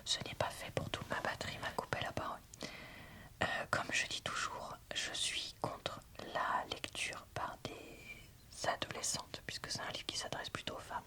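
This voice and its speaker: Woman, whispered ASMR review, breathy unvoiced delivery, crisp bright edge, informal and hesitant. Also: moderate pace. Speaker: book reviewer, ASMR host.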